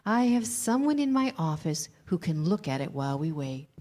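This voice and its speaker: A woman's voice: deep voice, sing-song, moderate pace, mellow. A woman playing a seductive, manipulative Hollywood producer with a condescending streak in a staged reading. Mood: smooth, flattering.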